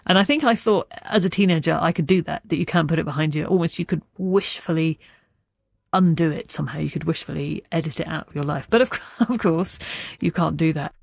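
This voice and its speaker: A middle-aged writer from Wales speaks as an interview guest, his delivery halting with a stammer and frequent restarts. His voice sits a little high for a man and has a gravelly fry to it, recorded close and dry. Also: no room sound. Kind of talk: reflective interview talk.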